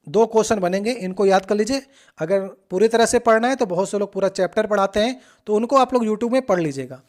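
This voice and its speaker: A teacher explaining past exam questions step by step, repeating key points and checking in often with the listener. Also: medium pitch. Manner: patient, repetitive explaining with frequent check-ins. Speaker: exam coach. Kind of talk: exam-prep lesson walking through past questions.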